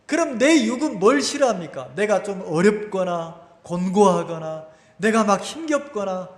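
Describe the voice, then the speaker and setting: A man's voice: sits high, sing-song, moderate pace. A male pastor preaching a sermon and putting rhetorical questions to his congregation. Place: church sanctuary. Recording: echoey church hall with long reverb.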